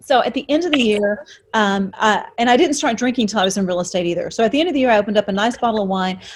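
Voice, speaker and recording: A somewhat breathy speaker with a Southern US accent talks at a very fast pace with lively intonation, on a very clean recording with a silent background. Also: woman, fairly high pitch for a woman. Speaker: real estate coach. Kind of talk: Q&A answer.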